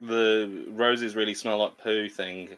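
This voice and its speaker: A man's voice: fairly low pitch, steady tone, slow pace, fairly bright tone. A man co-hosting a podcast, chatting casually with dry, wry humor. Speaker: podcast co-host. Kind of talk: casual chat.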